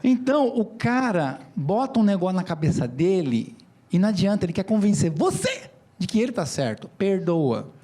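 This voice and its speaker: São man, lively comic storyteller, high voice, slangy. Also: moderate pace. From São Paulo, Brazil. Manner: animated, joking, slangy. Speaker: speaker at an event. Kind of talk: comedic storytelling talk. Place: stage at a conference.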